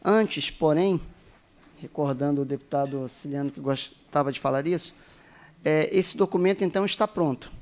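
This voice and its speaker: A man with a Brazilian accent chairing a public hearing in a courteous, procedural manner. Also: fairly high pitch. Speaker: committee chair.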